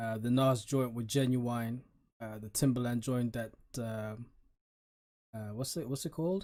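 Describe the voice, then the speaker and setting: A man with a non-native accent, medium pitch and ordinary pitch variation, a moderate pace and long, frequent pauses. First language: not English. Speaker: music reviewer and rapper. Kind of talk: casual album review. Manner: hesitant, many fillers.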